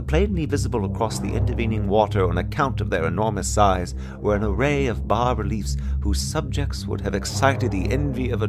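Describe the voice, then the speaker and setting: A low-voiced man narrates a horror story with grave, measured delivery, slowing to linger on the most dreadful words. Loud music plays beneath him throughout. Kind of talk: dramatic horror story reading.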